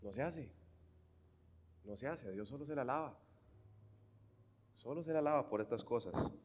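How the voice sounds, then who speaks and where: A man with a Costa Rican accent preaching a sermon, swinging fervently from hushed, quiet lines to loud, emphatic ones. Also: mid-range voice, animated, normal speed, long reverb tail. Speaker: pastor.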